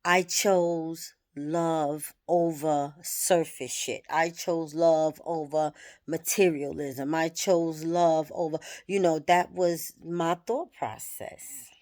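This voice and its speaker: A woman's voice: low-pitched, fairly even intonation, slow, a little mellow. A woman in her thirties talking candidly and reflectively to the camera, swearing freely as she thinks aloud. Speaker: vlogger. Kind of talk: personal reflective monologue.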